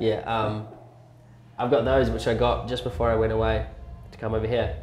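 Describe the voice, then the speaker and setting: A man at a fairly quick pace, with audible room echo and music in the background. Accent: New Zealand. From New Zealand. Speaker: electronic music producer. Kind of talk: casual interview. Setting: green room at a venue.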